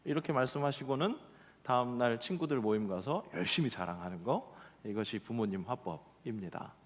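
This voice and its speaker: A male pastor from Seoul delivering a Korean sermon, telling folksy stories with acted quotes and slowing down for emphasis. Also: medium pitch, expressive. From Seoul, South Korea. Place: church sanctuary. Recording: church hall with long reverb.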